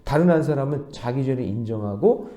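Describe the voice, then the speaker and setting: Brief: male pastor, early morning sermon, lively swings of pitch, warm mellow tone, leads the congregation in reading verses. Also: a little fast. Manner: animated, questions the congregation.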